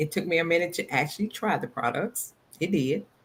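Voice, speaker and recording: With an American accent, a woman speaks at a moderate pace in a fairly low pitch, with ordinary pitch variation. She has an unremarkable speaking voice. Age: 50s. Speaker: network marketing distributor. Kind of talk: testimony.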